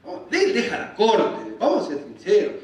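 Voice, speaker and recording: Animated Argentine pastor in an echoey hall. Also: male voice, sits high, normal speed, far from the mic. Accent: Rioplatense Spanish. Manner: animated, jokey storytelling, acts out voices. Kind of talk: sermon. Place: large hall at a men's conference.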